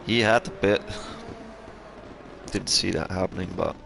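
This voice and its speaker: Gravelly low Belgian-accented race caster. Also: male voice, measured pace. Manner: hesitant, many fillers and restarts. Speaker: race commentator. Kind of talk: sim racing commentary. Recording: game engine noise and loud music behind. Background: engine noise and music.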